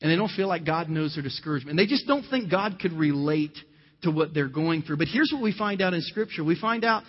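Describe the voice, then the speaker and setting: A man's voice: a little high, animated, a little fast. A man from Ohio preaching a sermon as pastor, mixing scripture reading with conversational personal stories. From Ohio, USA. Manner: conversational storytelling with scripture quotes. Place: church. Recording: dull lo-fi sound with long hall reverb.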